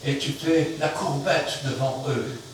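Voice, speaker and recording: A man's voice: medium pitch, slow pace. Fiery man preaching in an echoey hall. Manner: emphatic, swings between loud outbursts and quiet asides. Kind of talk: fiery sermon. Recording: very echoey room, mic far off, faint noise.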